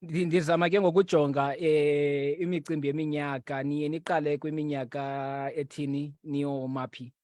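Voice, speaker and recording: Higher-pitched Xhosa-accented male host. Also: level tone, moderate pace, few pauses, darkish tone, no room sound, clean studio sound. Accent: South African Xhosa. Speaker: radio interview host. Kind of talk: interview hosting, reading listener questions.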